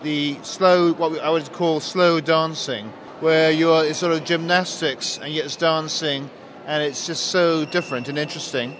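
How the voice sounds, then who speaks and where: Higher-voiced man musing on a street. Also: steady tone, moderate pace, background noise. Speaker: festival visitor. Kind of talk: street vox pop.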